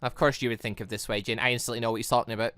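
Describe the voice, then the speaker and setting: A woman's voice: a bass voice, steady tone, racing, fairly bright tone, dry recording. A woman giving casual, chatty let's-play commentary on a visual novel, rambling through giggly asides. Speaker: gaming video host.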